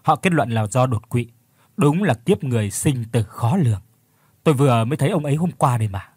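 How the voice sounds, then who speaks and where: A man's voice: mid-range voice, expressive, a little mellow, husky, no room sound. A man voicing a chatty, gossipy male bystander who tells the news in a rush. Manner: chatty, rushed.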